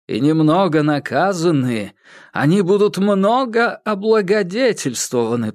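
Male reader as a solemn preacher intoning scripture with lively rise and fall. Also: sits high, dry recording, studio quality, voice pushed up.

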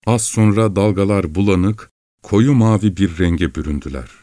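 Low-voiced man reading a story. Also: no echo, clean studio sound. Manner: calm, measured storytelling. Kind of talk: audiobook narration.

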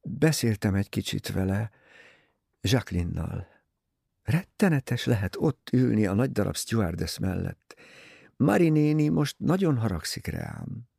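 A man's voice: fairly low pitch, big pitch swings, vocal fry, dark tone, breathy edge, no room sound, studio quality, exaggerated voice. A male reader voicing a self-willed young woman in an audiobook, answering in frank, matter-of-fact retorts. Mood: earnest.

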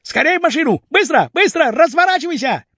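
A man voicing an excited police captain who shouts urgent orders, in a storybook reading. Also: very high voice, brisk, dry recording, pitched above the performer's own voice, full character voice. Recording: dull lo-fi dry recording.

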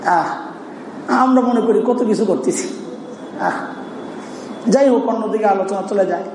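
A man preaching a sermon, sighing with feeling and chanting verses slowly. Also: high-pitched, mellow, a little hiss or hum. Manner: emotional, sighing exclamations, sings verses slowly. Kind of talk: Bengali sermon with chanted Quranic recitation. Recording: echoey hall, faint ambience.

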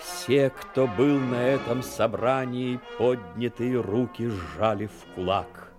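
A man giving dramatic scripted narration for an audio play, measured and literary. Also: mid-range voice. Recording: music behind the voice.

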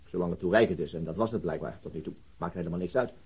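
A man's voice: deep voice, rapid-fire, breathy edge, lo-fi sound, full character voice. A man playing a sober, middle-aged police detective in a naturalistic radio drama, matter-of-fact and guarded.

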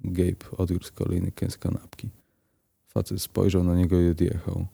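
A man narrating a crime story aloud in a calm, even reading voice. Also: low-pitched, normal speed, vocal fry, breathy edge. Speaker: audiobook narrator.

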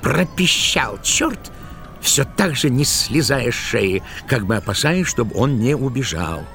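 A man narrating a literary tale in an expressive, theatrical storytelling style. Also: mid-range voice, measured pace. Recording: music behind the narration.

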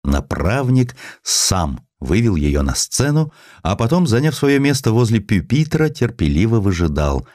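Male narrator, deep pitch, lively melodic delivery, dry studio sound, scripted literary storytelling. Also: unhurried, dry recording. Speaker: audiobook narrator.

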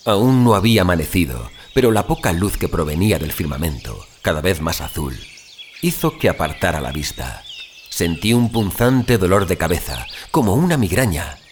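A man's voice: deep voice, animated, normal speed, slight background noise. A man playing an anguished, dazed amnesiac survivor in a first-person audio drama, with theatrical gasps and exclamations. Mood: somber, haunted.

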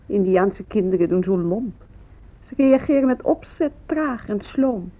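A woman's voice: mid-range voice, animated, measured pace. A woman in a radio drama playing a disdainful, prim white woman passing judgment. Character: disdainful white woman generalising about Native children. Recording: tinny phone-like old radio recording.

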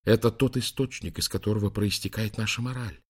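A stern, preachy woman priest, as a male reader puts her on. The voice sits low and delivers warnings with solemn weight. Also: brisk, slightly rough. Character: stern female priest on webcam.

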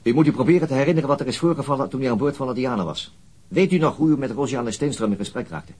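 An actor playing a persistent police interrogator in a radio crime drama, probing, controlled and insinuating. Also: male voice, mid-range voice, expressive, very fast, a little mellow, slightly rough. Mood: probing, insistent. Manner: insistent, probing.

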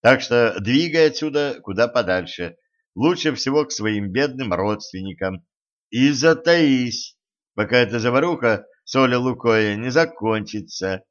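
A man's voice: medium pitch, a bit bright. A man voicing a cocky, sarcastic young male trainee who talks with confidence, in a slightly muffled audiobook recording. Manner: confident, mocking.

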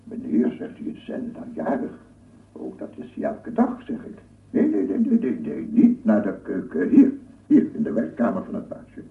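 A man's voice: fairly low pitch, huge pitch swings, normal speed, vocal fry, exaggerated voice. An actor playing an obsessive lone scientist in a radio play, cooing and murmuring repetitively as he does with his dog. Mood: fond, coaxing. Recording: echoey, distant, phone-like old radio recording.

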